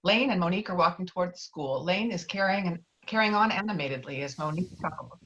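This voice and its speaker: A woman's voice: fairly low pitch, expressive, fast talker, fairly bright tone, dull audio, a little hiss or hum. A woman reading out stage directions as scripted narration of a screenplay.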